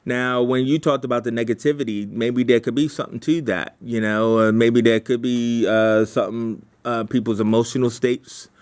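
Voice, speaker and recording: A man's voice: mid-range voice, fairly even intonation, darkish tone, clean tone. Rambling male showrunner thinking aloud. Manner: halting, repetitive, thinking aloud. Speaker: showrunner leading a writers' meeting. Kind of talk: casual rambling brainstorming talk.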